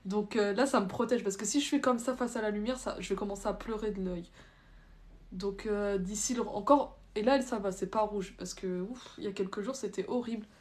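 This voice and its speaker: Speaking a little fast in a steady, mid-range voice, a young French host runs an informal livestream chat. She voices viewer comments and fires back blunt replies in loose, hesitant phrasing.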